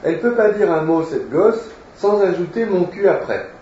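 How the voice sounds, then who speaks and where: A man's voice: high-pitched, animated, normal speed, dark tone, a little hiss or hum, pitched above the performer's own voice. A man voicing a blunt, sardonic grown man with a dry, grave delivery, read aloud in a lesson. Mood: exasperated. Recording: echoey room, distant mic, dull sound.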